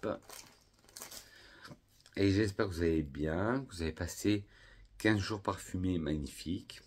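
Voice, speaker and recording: A man from France reviewing perfumes in a casual vlog, calmly and unhurriedly listing scent notes one by one. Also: low voice, measured pace, breathy edge.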